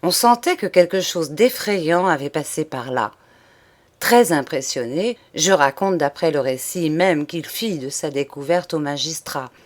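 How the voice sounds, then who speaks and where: A woman narrating a novel in the first person as an audiobook, with a measured, dramatic delivery. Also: sits low, expressive. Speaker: audiobook reader.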